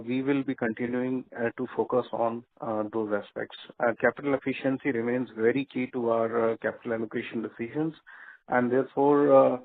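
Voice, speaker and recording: A man's voice: medium pitch, no room sound. Exec guy on an earnings call over the phone, tinny and dry, lots of uhs. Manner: measured, many fillers and restarts. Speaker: company executive on earnings call. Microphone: conference call phone line.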